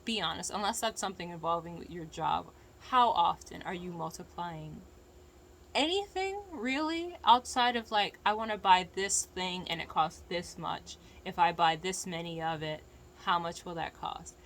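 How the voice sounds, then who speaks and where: A woman's voice: on the low side, moderate pace, fairly bright tone. An American woman with a lisp, talking casually and frankly in a rambling, profane, opinionated rant to viewers. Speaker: vlogger giving opinions.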